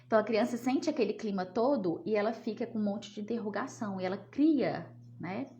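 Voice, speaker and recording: A woman's voice: mid-range voice, brisk, mellow, muffled recording. A woman, a psychologist answering viewer questions in a chatty live talk, often checking in with "né?". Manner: chatty, often asks "né?", talks to viewers as "gente". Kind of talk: casual live Q&A.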